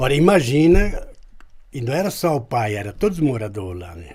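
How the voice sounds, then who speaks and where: Breathiness is somewhat present in the voice. Its pace stays moderate. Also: man. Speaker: farmer. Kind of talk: interview storytelling.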